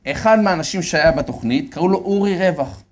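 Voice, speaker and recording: A man telling a religious story as a lecturer, animated and often telling his audience to listen well. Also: fairly high pitch. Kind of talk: storytelling sermon.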